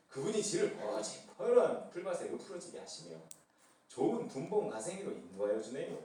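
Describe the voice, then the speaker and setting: A man voicing a polite countryman with a Chungcheong dialect, soft and unhurried. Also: fairly high pitch, slight background noise. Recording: echoey church hall from far off.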